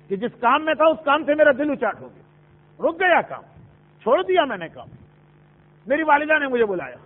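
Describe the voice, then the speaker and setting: A man preaching a sermon, telling a story and acting out quoted lines with dramatic pauses. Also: extremely high pitch. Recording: tinny phone-like sound.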